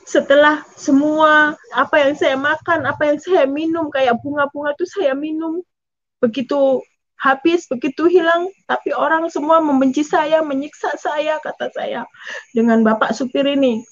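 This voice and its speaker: A high-voiced woman from Java tells a personal religious testimony. She speaks emotionally, repeats phrases, and acts out the dialogue. The recording sounds dull and lo-fi. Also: fairly even intonation, unhurried. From Java, Indonesia. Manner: emotional, repetitive storytelling that acts out quoted dialogue.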